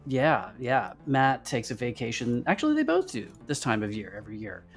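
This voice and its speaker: A woman's voice: a bass voice, big pitch swings, normal speed, soft background music. A woman co-hosting a live talk show with casual, chatty banter.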